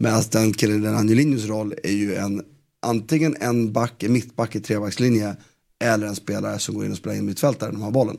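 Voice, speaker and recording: A man with a dark, mellow tone speaks at a fairly quick pace, fairly low in pitch and with fairly even intonation. The recording is very clean, with a silent background. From Sweden. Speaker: football pundit. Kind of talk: casual chat. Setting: studio.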